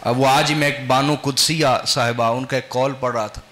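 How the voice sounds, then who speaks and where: Sharp-voiced male preacher quizzing listeners. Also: mid-range voice, fairly even intonation, normal speed. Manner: quizzes the audience with rhetorical questions. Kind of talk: sermon.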